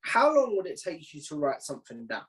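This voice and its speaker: A man hosting a relaxed podcast interview, asking questions in an informal, inquisitive way. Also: fairly high pitch, a little fast. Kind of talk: casual conversational interviewing.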